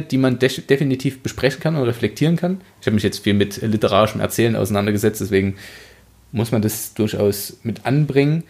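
Male podcast host, medium pitch, casual and reflective reviewer who rephrases as he goes. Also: a little mellow. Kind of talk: casual book review discussion.

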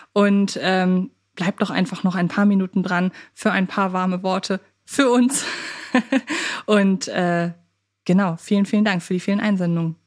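A woman co-hosting a podcast, chatting casually and addressing listeners. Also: medium pitch. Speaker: podcast co-host. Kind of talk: casual chat and listener thanks.

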